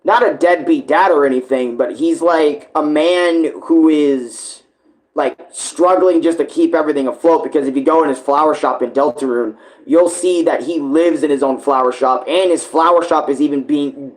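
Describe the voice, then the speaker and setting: A man's voice: on the high side, normal speed, darkish tone, low-quality recording. A man giving casual live reaction commentary, rambling bluntly and informally with heavy swearing. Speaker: reaction streamer.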